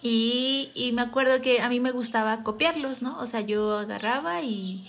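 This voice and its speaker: A woman with a Mexican accent, co-hosting a podcast in casual chat, telling stories in an animated way. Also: on the high side, normal speed, gravelly. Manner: animated storytelling, acts out quoted voices. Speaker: podcast co-host.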